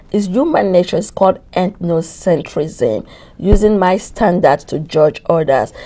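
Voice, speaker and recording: A woman with a Nigerian accent speaks in a medium pitch with a dark, mellow tone and lively intonation. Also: moderate pace. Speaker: nurse leader. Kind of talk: interview.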